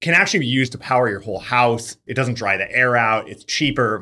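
A loud man with a bright, sharp tone, on a very clean recording against a silent background. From US, Colorado. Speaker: product executive. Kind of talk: interview.

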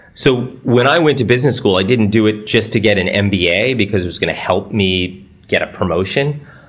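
With an American accent, a man talks in a space with audible room echo. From US Northeast (Cape Cod) and Miami. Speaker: business executive and former sailing coach. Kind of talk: casual interview. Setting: video call from an office.

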